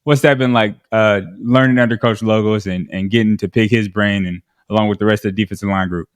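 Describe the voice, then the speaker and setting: A man's voice: on the low side, steady tone, fairly quick, clear, resonant tone. A man hosting a sports pregame show, chatty and informal, firing off follow-up questions. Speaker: sports radio host.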